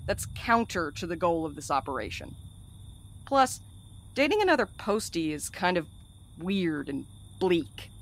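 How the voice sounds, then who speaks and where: A blunt, irreverent courier in an audio drama, played by a woman. The voice sits a little low, and the delivery is dry, slangy and naturally conversational, like a loyal friend who wisecracks. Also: big pitch swings, measured pace, heavily acted. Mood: teasing. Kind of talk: fiction podcast acting, naturalistic banter.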